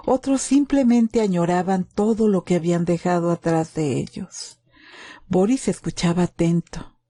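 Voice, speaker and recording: Mellow woman narrating a story, lowish voice. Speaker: storyteller, channel host. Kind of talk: dramatic scripted story narration.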